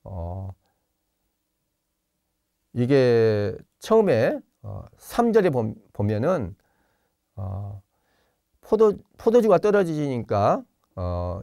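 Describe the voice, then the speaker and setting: A man from Jeolla, a Jesuit priest giving an online spiritual lecture over a video call, explaining gently with many pauses and fillers and acting out quoted lines. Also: medium pitch, creaky, no room sound, clean studio sound. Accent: Jeolla Korean. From Jeolla, Korea.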